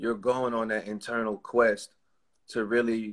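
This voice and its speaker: Flat and monotone, a man with a Southern US accent speaks at a fairly slow pace. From Iran. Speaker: rapper. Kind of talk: interview.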